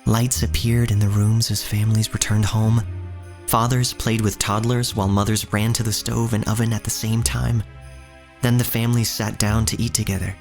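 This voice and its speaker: A man playing a solemn narrator who tells of a poor street childhood in measured, scripted audio drama storytelling. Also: fairly low pitch, little pitch movement, close to an everyday voice. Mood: somber, measured. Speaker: first-person narrator. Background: music.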